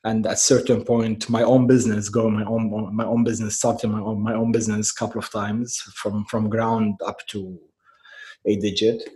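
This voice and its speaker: A man, a coach telling his story as a guest in a casual interview, halting and trailing off quietly. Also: lowish voice, little pitch movement. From Lebanon. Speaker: guest, life and business coach.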